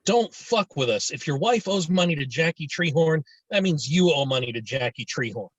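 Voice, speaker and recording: A man's voice: a little high, animated, normal speed, no echo. A man playing a threatening, demanding debt-collecting thug in a screenplay table read. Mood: menacing. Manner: threatening, demanding, foul-mouthed. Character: menacing thug shaking down a debtor. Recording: dull, muffled online-call audio.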